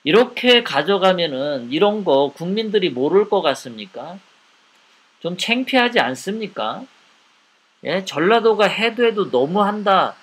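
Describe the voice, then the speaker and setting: A man's voice: sits high, sing-song, measured pace, a bit bright, slightly rough. A man hosting a live political commentary show, talking in an indignant way and piling up repeated rhetorical questions.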